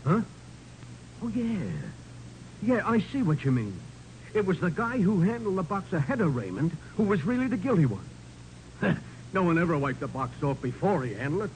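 An actor playing a blustery, folksy, slow-on-the-uptake police detective in a 1940s radio drama. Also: male voice, very animated, a little mellow. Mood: dawning realisation. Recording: noisy, rumbly 1940s radio recording.

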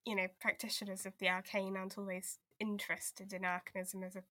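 Blunt, caring investigator, played by a woman for audio drama, exasperated; forceful bright tone, dry recording. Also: medium pitch, little pitch movement, brisk, dry recording, close to an everyday voice. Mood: measured, reporting. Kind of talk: audio drama table read.

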